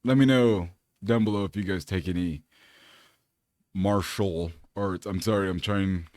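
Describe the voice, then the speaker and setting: A man's voice: deep voice, measured pace, darkish tone, dry recording, clean studio sound. A man from California in his thirties, chatting casually to camera as a fitness vlogger, rambling and laid-back with lots of fillers.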